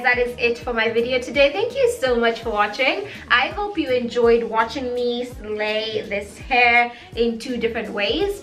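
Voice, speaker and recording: A woman's voice: a little high, sharp tone. A young woman chatting through a hair tutorial vlog, playful and sassy with giggly asides. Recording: echoey room with faint music.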